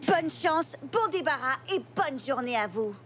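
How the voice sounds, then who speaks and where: Very high, sassy cartoon girl. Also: animated, unhurried, a bit bright, slight background noise. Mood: haughty. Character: cute young girl, turned snappy and bossy. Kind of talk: French cartoon dub acting.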